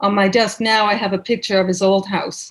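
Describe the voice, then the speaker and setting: In an American accent, a woman with a somewhat breathy, medium-pitched voice speaks at a moderate pace. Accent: Boston accent, comes out at times. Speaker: poet. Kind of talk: poetry reading. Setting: video call.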